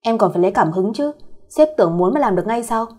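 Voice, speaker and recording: A woman plays a pert young office worker in an audio story, told as by a fireside storyteller. She is feisty yet polite, in a middle-pitched, husky voice. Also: animated, quick pace, darkish tone. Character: feisty young female employee, grumbling yet polite to boss. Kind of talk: acted dialogue in an audio story.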